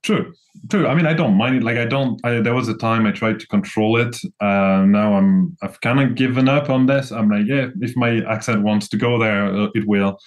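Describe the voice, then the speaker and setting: A man's voice: on the low side, moderate pace. A young man from France with a French accent, a guest chatting casually, rambling with many restarts and fillers. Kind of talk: casual conversation.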